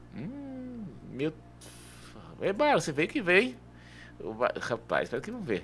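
A high-pitched man speaks at a fairly slow pace with long, frequent pauses, over light background noise. His pitch swings very widely, and his loudness shifts a lot. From Brazil. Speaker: gaming YouTuber. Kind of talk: casual gameplay commentary. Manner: animated.

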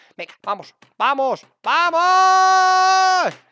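Projecting his raised voice, a man speaks in a bright, sharp tone with very wide pitch swings, the sound dry and close with no echo. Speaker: gaming youtuber. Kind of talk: let's play commentary. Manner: animated; fast.

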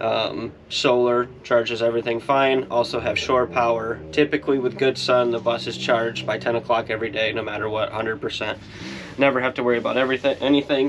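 Noticeable background noise sits behind a man talking. He speaks at a fairly quick pace with fairly even intonation. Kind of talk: casual tour walkthrough. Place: bus. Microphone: camera far.

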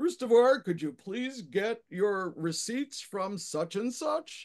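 Using a put-on character voice, a woman speaks at a fairly slow pace and medium pitch. Her pitch swings very widely. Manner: gentle, polite.

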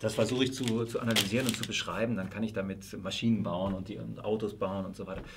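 Over loud background noise, a man rattles along at a very fast pace with hardly any pauses, his fairly low voice keeping fairly even intonation. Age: 50s. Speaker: teacher and musician; teacher. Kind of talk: interview conversation. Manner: halting with many fillers. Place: studio.

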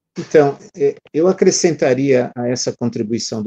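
Over a quiet background, a man speaks at a medium pitch with a dark, mellow tone. His intonation is lively. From São Paulo city, Brazil; Brazil. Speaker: Baptist pastor. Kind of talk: live-stream debate. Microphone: video call.

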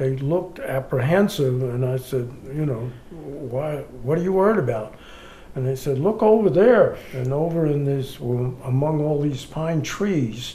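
A man with a somewhat breathy voice speaks fairly slowly, his pitch varying in an ordinary way. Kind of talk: interview answer. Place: home room.

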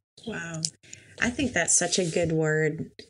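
A woman with a fairly low pitch and ordinary pitch variation speaks at a fairly slow pace. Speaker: podcast host. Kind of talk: casual chat. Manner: animated.

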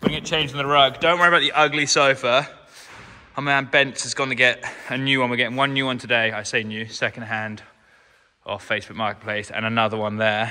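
Over a quiet background, a man speaks at a very fast pace with ordinary pitch variation. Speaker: vlogger. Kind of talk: casual vlog chat. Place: garage. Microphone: phone near.

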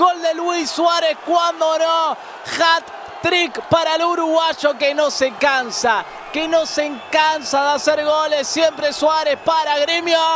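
Very slow, flat monotone delivery amid noticeable background noise. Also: man, extremely high pitch for a man. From Argentina. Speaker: football commentator. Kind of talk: live football play-by-play.

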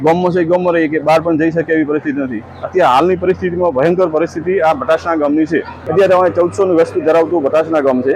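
Noticeable background noise surrounds a man speaking. His pitch is fairly high, with ordinary pitch variation. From Suigam taluka, Banaskantha, north Gujarat. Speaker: villager and farmer. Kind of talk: on-site interview.

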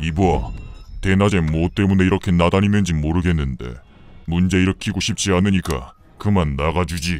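Putting on a character voice, a man speaks fairly quickly at a very deep, low pitch. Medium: dub. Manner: gruff, dismissive.

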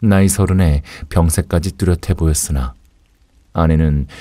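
Over a quiet background, a man speaks with a very deep, low pitch, a dark, mellow tone and fairly even intonation. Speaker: audiobook narrator. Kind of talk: audiobook reading.

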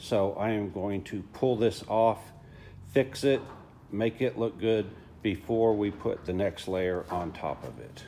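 Light background noise runs under a man speaking at a fairly slow pace in a fairly low pitch. His tone is dark and mellow, with ordinary pitch variation. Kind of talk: tutorial. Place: garage. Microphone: phone near.

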